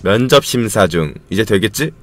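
A young man commenting casually on a game he is playing. He reads the on-screen text in a flat lower voice, then gets excited, yells and swears at the game. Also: moderate pace, heavy background noise. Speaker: game streamer.

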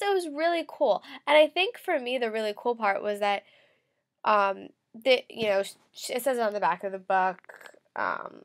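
A young woman with a slight cold talks through a book review at her webcam in her bedroom. Her voice sits a little on the high side, and she keeps it chatty and loose, full of fillers and quick self-corrections. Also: a bit bright. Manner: chatty, gestures a lot, many fillers and restarts. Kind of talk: casual book review vlog. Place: bedroom with photo-covered wall. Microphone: webcam at close range.

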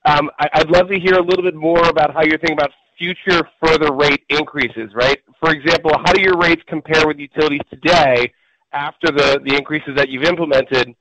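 A man speaking as a financial analyst, informally asking questions on a call and haltingly repeating words. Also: fairly high pitch, fairly even intonation, fairly bright tone, rough recording.

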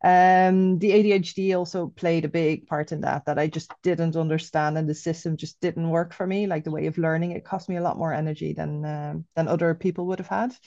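A woman's voice: sits low, fairly even intonation, brisk, few pauses, mellow, no echo, dull audio. A woman in her thirties from the Netherlands with an Irish accent and Dutch as her first language, talking as a guest on a video call outdoors, hesitant with many ums. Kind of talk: casual interview over video call. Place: outdoors by trees.

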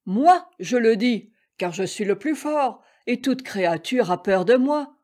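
A woman doing a loud, blustering lion king. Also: fairly high pitch, expressive, unhurried. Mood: roaring. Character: proud male lion king, quick to rage.

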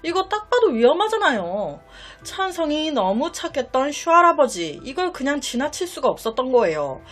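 Animated high-voiced woman storyteller. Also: moderate pace, faint music behind. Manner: chatty, dramatic, addresses viewers directly. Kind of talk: casual true-story narration.

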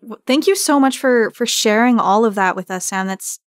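A woman's voice: on the high side, normal speed, no room sound. Woman hosting a podcast, dry sound. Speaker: podcast host. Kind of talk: interview hosting.

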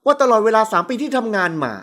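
A woman's voice: on the high side, lively intonation, quick pace, a bit bright. A woman narrating a romance audiobook in scripted narration.

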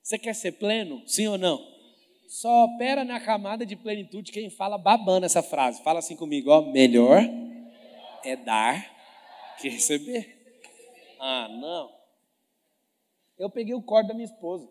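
Emphatic high-voiced Brazilian man in a hall. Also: fast talker, a little mellow. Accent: Brazilian Portuguese. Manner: emphatic, fires questions at the audience. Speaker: motivational speaker. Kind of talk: motivational stage talk.

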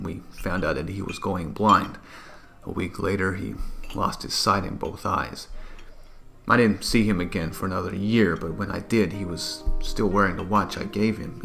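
A suave, sentimental gentleman, acted by a man, speaking in a low voice with a forceful edge. His delivery is measured and earnest, like a dramatic monologue. Faint music plays behind him. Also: creaky, exaggerated voice. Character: suave, sentimental gentleman telling a solemn anecdote.

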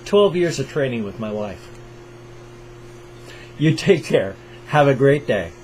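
An older man with a Pacific Northwest American accent talks to his viewers from a small room at home over a headset mic. His delivery swings up and down with animated pitch as he chats eagerly. A faint hum sits under the voice. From Pacific Northwest, USA. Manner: enthusiastic, keeps voice raised to a higher register, speaks slowly on purpose. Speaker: reaction video host. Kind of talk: casual chat to camera. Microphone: over-ear headset.

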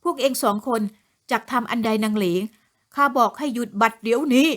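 A woman voicing a stern male nobleman in a storybook drama, giving loud, harsh commands. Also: on the high side, very slow, full character voice. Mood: angry. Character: stern male nobleman, quick-tempered master.

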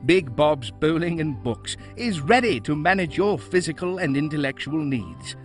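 A man plays an earnest commercial pitchman for an absurd business. His slightly high voice sells with animated intonation over light music. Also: moderate pace. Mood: upbeat, salesy. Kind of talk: parody radio commercial.

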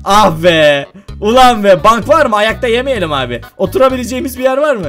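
High, lively young man commentating a game. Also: fairly quick, faint music behind. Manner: playful, shouts and laughs when startled. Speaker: gaming video creator. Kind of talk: excited gameplay commentary.

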